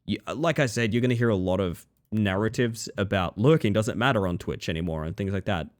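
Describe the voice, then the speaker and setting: A man's voice: on the low side, a little fast. A male streamer at the end of a long session, chatting casually with viewers in a sleepy, crackly voice. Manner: friendly, rambling, thanks viewers. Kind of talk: casual stream sign-off chat.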